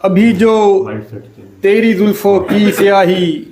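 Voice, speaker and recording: A man reciting his poetry in a measured, rhythmic, declamatory way, repeating lines. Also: high voice, fairly even intonation, darkish tone, a little hiss or hum. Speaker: poet.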